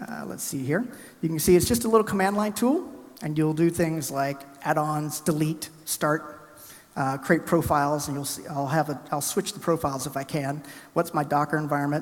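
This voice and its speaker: There is noticeable background noise as a man with an American accent speaks at a fairly high pitch. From US South, Alabama. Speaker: conference speaker. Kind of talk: technical conference talk with live demo. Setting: stage with audience. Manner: fast; animated.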